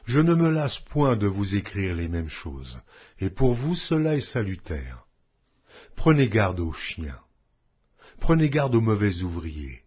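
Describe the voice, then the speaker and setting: A man reading scripture as a scripted audiobook narration, in a solemn, measured and declamatory way. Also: lowish voice, sing-song, breathy edge. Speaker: Bible narrator. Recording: dull, lo-fi audio.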